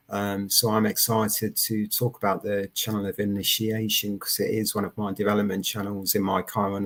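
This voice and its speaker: A man from England introducing himself earnestly on a group video call. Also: lowish voice. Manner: brief, earnest self-introduction. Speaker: call participant.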